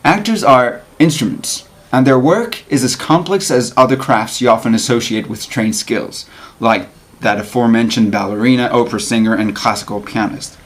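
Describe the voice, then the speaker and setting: A man reading an essay aloud as an actor would, with lively, emphatic and deliberate phrasing. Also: medium pitch. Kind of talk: expressive read-aloud of an essay.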